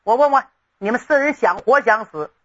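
A woman's voice: a little high, animated, a little fast, a bit bright, muffled recording. A woman storyteller voicing a hotheaded, rowdy young nobleman who blusters and makes bossy threats. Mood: threatening.

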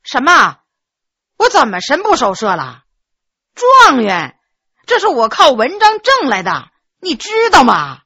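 A woman's voice: sits high, wildly swooping pitch, measured pace, pauses often, pushed and bright, no room sound, exaggerated voice. A woman voicing a dazed, self-important newly crowned male top scholar who rambles.

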